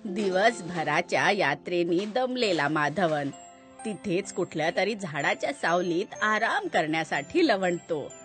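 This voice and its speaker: A woman's voice: lowish voice, animated, unhurried, a bit bright, faint music behind. A woman voicing a wise, kindly storyteller who narrates a children's tale in a didactic way. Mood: storytelling. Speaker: narrator and host.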